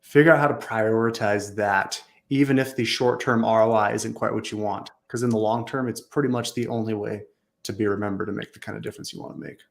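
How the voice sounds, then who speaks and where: A man's voice: on the low side, fairly even intonation, brisk, vocal fry. A man speaking as a guest on a casual podcast, earnest and enthusiastic, with casual slang. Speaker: podcast guest, business leader.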